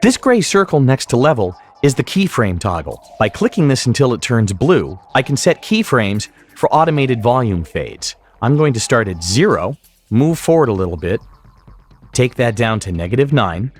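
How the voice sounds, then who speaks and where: A man narrating a scripted software tutorial as an instructor, in a measured, explanatory way. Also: mid-range voice.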